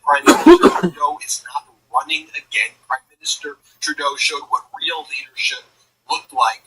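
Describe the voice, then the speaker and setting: A man's voice: fairly high pitch, wildly swooping pitch, moderate pace, pushed and bright, distant mic, rough recording. Indignant male political commentator. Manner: scornful, indignant. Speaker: host.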